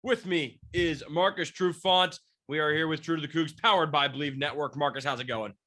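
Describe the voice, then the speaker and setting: Congested young man, bright tone. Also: on the high side, steady tone, fairly quick. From Washington State, near Seattle. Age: 20s. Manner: rambling, frequent restarts and fillers. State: congested from a cold. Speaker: podcast host, sports beat writer. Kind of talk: casual sports podcast chat.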